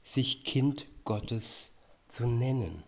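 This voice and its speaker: A man reading Bible verses aloud and explaining them in a slow, deliberate preaching style. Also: medium pitch, lively intonation, vocal fry, darkish tone. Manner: slow, measured, deliberate delivery.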